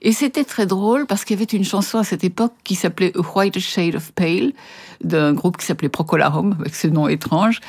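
A woman translator answering interview questions with articulate, lively storytelling and some hesitations. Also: lowish voice, brisk, slightly rough. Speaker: literary translator guest.

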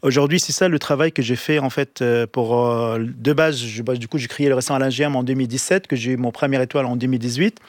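A man's voice: mid-range voice, steady tone, no room sound. A middle-aged man from Lebanon, a chef, telling his story in a radio interview, stopping and repeating words often. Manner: halting, repeats words, many fillers. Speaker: chef, studio guest.

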